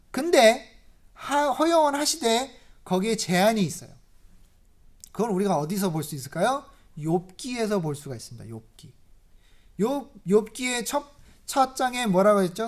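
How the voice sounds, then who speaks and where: A preacher giving a sermon, emphatic and lively, constantly asking the congregation questions. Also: medium pitch. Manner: asks the congregation many rhetorical questions; lively, emphatic, rises in volume on key points.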